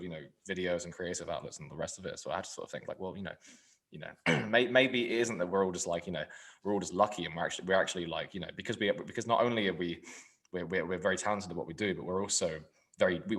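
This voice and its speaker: Rambling man, low and quick. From England. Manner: rambling, filler-heavy, trailing off quietly. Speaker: podcast host. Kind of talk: casual podcast chat.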